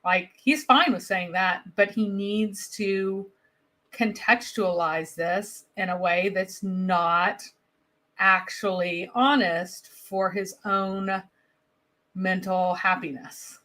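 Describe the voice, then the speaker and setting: A woman's voice: medium pitch, steady tone, bright, forceful tone. A woman co-hosting a commentary chat, speaking in an emphatic, argumentative way. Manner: emphatic, quick to argue. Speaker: co-host.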